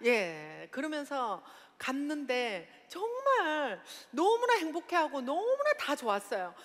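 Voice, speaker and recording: High-pitched woman, seminar speaker, bright tone, hall reverb. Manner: loud, exclaiming, laughs often. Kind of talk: motivational seminar talk.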